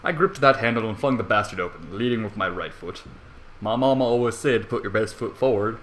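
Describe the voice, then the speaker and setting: A man's voice: fairly low pitch, brisk, fairly bright tone, a little hiss or hum. A young man reading fan fiction casually as an amateur narrator, with rambling, self-deprecating asides and swearing. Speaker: amateur story reader. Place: bedroom at home.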